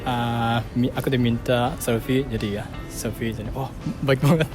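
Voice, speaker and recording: Casual interviewee: man, Japanese accent, foreigner speaking Indonesian, mid-pitched, searching for words over music. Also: fairly even intonation, normal speed. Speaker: interviewee, content creator. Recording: loud music behind.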